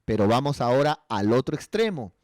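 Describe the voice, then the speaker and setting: A man's voice: medium pitch, big pitch swings, brisk, darkish tone, no echo, clean studio sound. A male pastor giving pastoral counsel in a conversational sermon, earnestly asking rhetorical tag questions.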